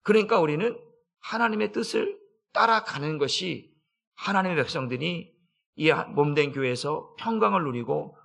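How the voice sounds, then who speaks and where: Male pastor, dawn sermon: gravelly, bright tone, loud pushes that drop to hushed asides. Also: lively intonation, normal speed. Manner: swings between loud urgent bursts and soft low asides. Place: church sanctuary.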